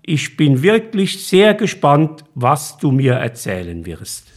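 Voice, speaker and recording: A man's voice: a little high, huge pitch swings, slow, soft background music, exaggerated voice. A man reading a story aloud, voicing the narrator's grown-up son with a lifted, eager voice. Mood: cheerful. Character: young adult son, worried then cheerful.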